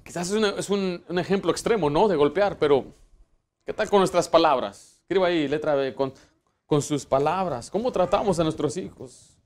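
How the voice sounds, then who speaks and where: A man's voice: a little high, normal speed, a little mellow. A man, a pastor preaching a sermon in church and putting earnest rhetorical questions to his congregation. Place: church sanctuary.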